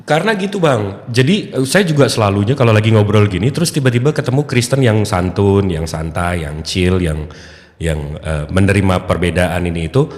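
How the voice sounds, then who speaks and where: A man's voice: fairly low pitch, expressive, brisk, big-room sound. A man casually hosting an online debate, joking and chatty. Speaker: debate host.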